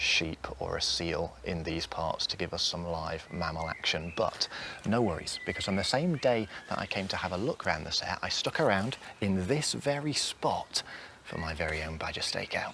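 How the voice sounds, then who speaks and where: Noticeable background noise surrounds a man who talks at a moderate pace. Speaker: wildlife TV presenter. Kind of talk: TV presenting to camera. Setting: outdoors in a garden. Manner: quiet.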